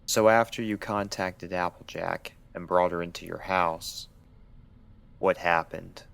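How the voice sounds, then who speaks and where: A man voicing a guarded male doctor pony questioning a patient in a story reading, stiff and measured. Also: low voice, steady tone, gravelly, fairly bright tone, clear, resonant tone, heavily acted. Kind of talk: dramatized fan fiction reading.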